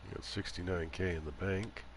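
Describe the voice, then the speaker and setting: A man's voice: deep voice, fairly even intonation, normal speed. A man with a congested, stuffy-nosed voice from a cold, doing casual livestream commentary on a game as its host. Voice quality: stuffy nose. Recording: clear background noise of falling rain. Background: game rain sound.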